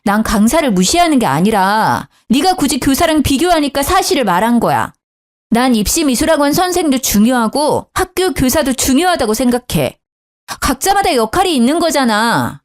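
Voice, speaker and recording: Lively woman narrating a dramatic story. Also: sits high, normal speed. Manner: indignant, emphatic, lively storytelling.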